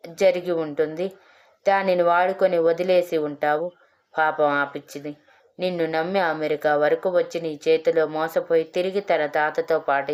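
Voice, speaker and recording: A woman's voice: low-pitched, a little mellow, lightly acted. A woman voicing a meddling older male village president who taunts and gossips in a storybook reading.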